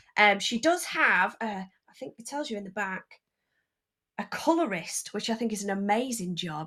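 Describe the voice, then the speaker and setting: A woman with an English accent and a bright, sharp tone at a medium pitch, moderate in pace, with very wide pitch swings and big swings in loudness. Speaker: podcast co-host, educator. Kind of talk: casual chat. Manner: animated.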